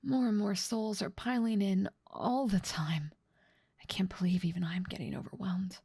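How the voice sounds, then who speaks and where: A woman's voice: medium pitch, steady tone, moderate pace, vocal fry, mellow, slightly rough, no room sound, studio quality. A woman playing a haughty, dominant demon lord who mocks and teases the listener in a scripted ASMR roleplay. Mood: weary. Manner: dominant, amused, mocking, theatrical. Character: haughty, teasing female demon lord ruling part of hell.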